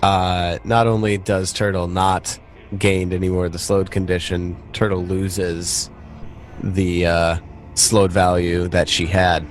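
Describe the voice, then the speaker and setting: A man's voice: low voice, little pitch movement, takes it slowly, a little hiss or hum. A man narrating a tabletop roleplaying game as game master in a casual, conversational way. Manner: informal, conversational.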